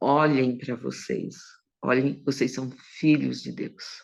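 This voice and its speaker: A woman speaks at a very slow pace. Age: 60s. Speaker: religious teacher. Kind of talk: lecture; testimony.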